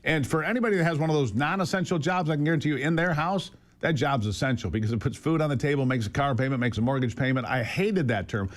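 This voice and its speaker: A talk show host conducts an opinionated political interview, pressing his points emphatically with rhetorical questions and repeated phrases. He's a fast talker with a medium-pitched voice and hardly pauses.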